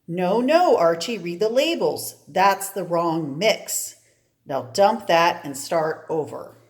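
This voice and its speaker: A woman's voice: on the low side, animated, takes it slowly. A woman voicing a flustered male chemistry professor from a comic book, exclaiming in alarm. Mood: stern.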